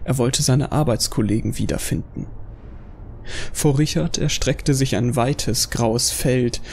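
Gravelly male horror narrator. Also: mid-range voice, a little mellow, slight background noise. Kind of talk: scripted horror audio drama narration.

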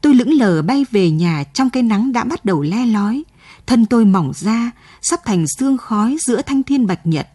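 A woman narrates a late-night radio story in a slow, sorrowful manner. Her voice is warm and mellow with a soft, husky edge, and the studio sound is close and dry. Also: a little high, animated, no echo.

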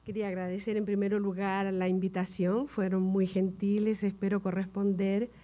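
An older woman with a Chilean Spanish accent tinged by Portuguese, giving a relaxed academic lecture from a table mic in a university auditorium, often tagging her sentences with a questioning "no". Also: medium pitch. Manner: relaxed, chatty, tags sentences with "¿no?". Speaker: guest lecturer.

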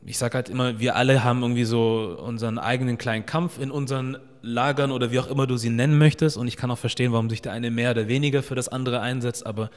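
A man in his thirties hosting a podcast, speaking in a relaxed, reflective way into a stand mic, with fillers like "so" and "ähm". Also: mid-range voice, fast talker, few pauses. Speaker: podcast host. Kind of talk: casual interview talk. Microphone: studio mic on a stand. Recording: long reverb of a bare room.

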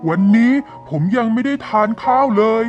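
Man as humble rich man posing as beggar, high voice, polite, earnest, cartoon story, clear music behind. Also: moderate pace, muffled recording. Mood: pleading. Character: company president posing as a blind, grateful beggar.

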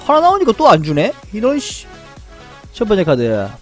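A young man commentating his game card and pet draws, greeting viewers and chanting loudly when good results come up. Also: high-pitched, moderate pace, faint music behind. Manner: animated, chants and shouts at good pulls. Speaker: game streamer. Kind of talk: excited gacha pull commentary.

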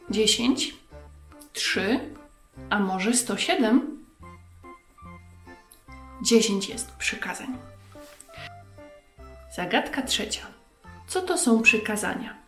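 Slow-paced woman hosting a children's lesson. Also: on the high side, fairly bright tone. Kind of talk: scripted quiz and sign-off for children. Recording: roomy echo.

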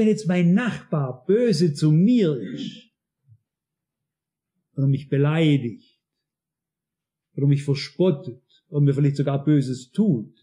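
A man's voice: a little high, dark tone. A man preaching a sermon, emphatic and addressing the congregation directly with frequent questions. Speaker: pastor.

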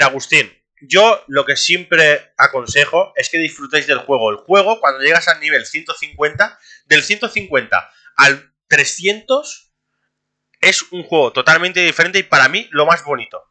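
A young man, streaming a game and talking to his chat in a casual, excitable way, laughing often. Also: a little high. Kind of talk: casual gameplay commentary.

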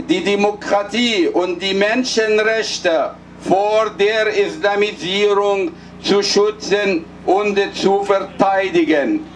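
This is a political rally speech by an older man from Egypt, a native Arabic speaker with a high, slow voice. His delivery is solemn and measured, broken by halting restarts as he holds a handheld mic at a night rally outdoors in a city square. A distant camera captures him, so he sounds remote against the noise of the street.

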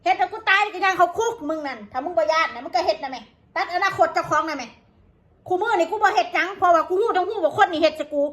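A woman with an Isan accent and a high voice vents at her viewers. She talks in a coarse, combative way and curses freely. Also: fast talker, fairly bright tone. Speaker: vlogger. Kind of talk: angry rant to viewers.

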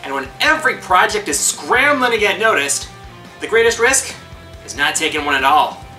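Over background music and a low-quality recording, a middle-aged man hosts a gaming countdown show, performing scripted narration with emphatic, playful showmanship. His high voice is very animated, bright and forceful, at a normal speed.

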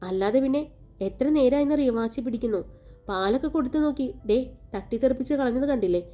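A woman narrator voicing an affectionate older mother-in-law who scolds gently and fondly. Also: sits high, fast, lightly acted.

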